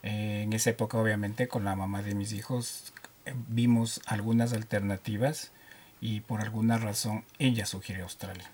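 A man from Ecuador with a Quito accent, a radio guest telling animated stories about himself. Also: lowish voice, moderate pace, a little hiss or hum. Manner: animated storyteller, jokes and laughs often. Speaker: guest, driving instructor. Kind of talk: casual radio interview.

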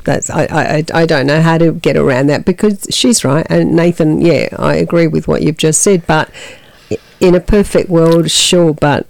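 A woman's voice: low-pitched, moderate pace, gravelly, darkish tone, no echo. A middle-aged woman hosting a community radio breakfast show, chatty and hesitant, with many fillers and restarts. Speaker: radio host. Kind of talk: community radio breakfast chat and news reading. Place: radio studio.

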